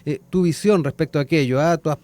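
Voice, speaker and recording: Brisk, quick-talking male radio host. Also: fairly high pitch, dark tone. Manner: brisk, frequent backchannels. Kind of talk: radio interview.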